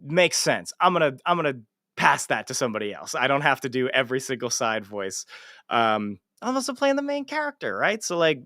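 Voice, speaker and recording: A man's voice: mid-range voice, sing-song, fairly quick, sharp tone, dry recording, studio quality. A man hosting a casual livestream interview, talking informally and swearing freely. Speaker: show host and amateur voice actor.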